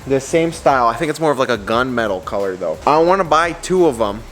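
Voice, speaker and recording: A man's voice: mid-range voice, animated, fast, a bit bright, slight background noise. A man chatting casually and off the cuff, as a vlogger giving a product review. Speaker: vlogger reviewing truck tires. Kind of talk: casual chat, off-the-cuff vlog.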